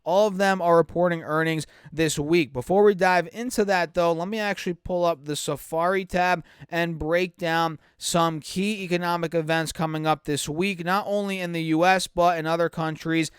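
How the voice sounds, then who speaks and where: A man's voice: fairly high pitch, steady tone, normal speed, few pauses, clear, resonant tone, dry recording, studio quality. A man with a stuffy nose from allergies, chatting casually to viewers about the stock market, upbeat and full of fillers. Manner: upbeat, addresses viewers as guys, many fillers. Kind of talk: casual market analysis to camera.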